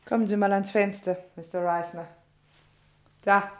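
An actress playing a cool, self-possessed neighbour under police questioning in a German crime radio play. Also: female voice, mid-range voice, steady tone, measured pace, lightly acted. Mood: cool, composed.

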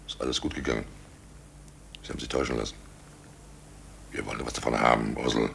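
An actor in a German radio play, playing a guilty, domineering and slyly jovial village innkeeper with a gravelly voice. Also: male voice, extremely low pitch, fairly even intonation, quick pace, fairly bright tone, slight background noise, full character voice. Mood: tense, urging.

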